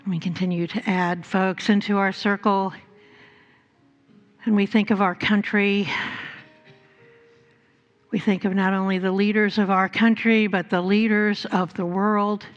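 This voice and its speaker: Female minister, very unhurried and measured, mid-range pitch, guiding a congregation through prayer. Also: level tone, lo-fi sound, soft background music. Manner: measured, with long pauses between phrases. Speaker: pastor. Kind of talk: church service talk and guided prayer. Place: church service before a congregation.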